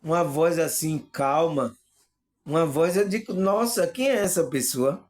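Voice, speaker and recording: A man's voice: fairly high pitch, unhurried. A man talking casually and earnestly to his viewers about spiritual perception, often checking in with "you know?" and laughing. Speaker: spiritual video host.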